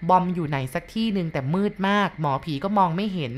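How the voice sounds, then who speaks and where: A woman's voice: on the low side, fast talker. A woman narrating a ghost story in a polite, conversational storytelling manner. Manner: polite and conversational, with soft sentence endings.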